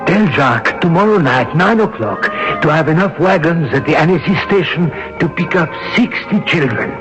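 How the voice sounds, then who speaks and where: An actor playing a brave, kindly, courteous Catholic monsignor in a radio drama. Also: male voice, a little high, animated, normal speed, natural voice. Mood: brisk, assured. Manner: courteous, dryly witty, assured. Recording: dull old radio broadcast, music behind.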